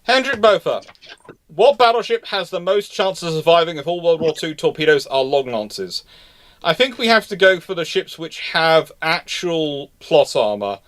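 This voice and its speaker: A man hosting an unscripted question-and-answer talk, speaking emphatically but haltingly, doubling back and repeating himself to stress points. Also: fairly high pitch, very animated, a bit bright. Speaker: naval history host answering live questions.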